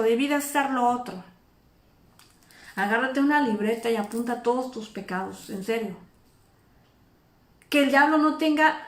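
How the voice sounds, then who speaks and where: A woman preaching an informal sermon, animated and acting out the people she speaks of. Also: a little high, reverberant. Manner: animated, acts out imagined speakers.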